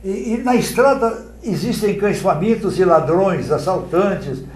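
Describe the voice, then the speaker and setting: A man's voice: high-pitched, animated, measured pace, a little mellow, roomy sound, slight background noise. A poor pleading mother, as a man tells the tale. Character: poor, desperate mother of a sick boy.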